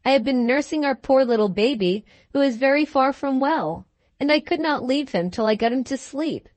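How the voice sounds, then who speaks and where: A woman's voice: high voice, expressive, moderate pace, darkish tone, no echo. A woman voicing an earnest young wife and mother who speaks in a pleading, reproachful way in an audiobook.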